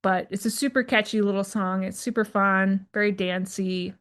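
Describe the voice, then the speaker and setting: A woman's voice: mid-range voice, steady tone, normal speed, fairly bright tone. A woman hosting her own solo career podcast, talking in a chatty, candid way with many asides and fillers. She calls herself a bit introverted. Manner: self-described introvert. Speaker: podcast host and career coach.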